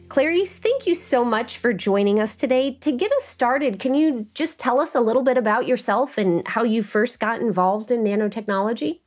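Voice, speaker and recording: A woman's voice: on the high side, a little mellow, slightly rough. A woman hosting a podcast, reading polished, welcoming introductions and questions. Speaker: podcast host. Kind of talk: scripted interview questions.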